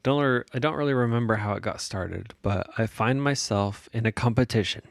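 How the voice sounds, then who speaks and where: A man's voice: medium pitch, a little fast, creaky, dry recording. An American man co-hosting a podcast, telling stories in casual comedic banter. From United States. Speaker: podcast co-host.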